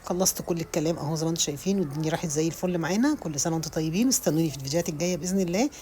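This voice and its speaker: The speaker is a home vlogger, a woman in her thirties with an Egyptian Arabic accent, rambling casually through a voice-over about cleaning her home and often starting over. Her low-pitched, dark voice races along, with a little hiss or hum in the recording.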